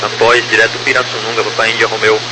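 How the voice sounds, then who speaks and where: A man with a Brazilian accent working as an air traffic controller, giving clipped, formulaic clearances over a crackly, military-sounding radio. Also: on the low side, monotone, quick pace. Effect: aviation radio. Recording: noisy crackly aviation radio transmission.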